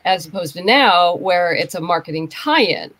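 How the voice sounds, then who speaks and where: A woman's voice: on the low side, lively intonation, normal speed, a bit bright. A woman chatting informally as a guest on a podcast. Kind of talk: casual chat.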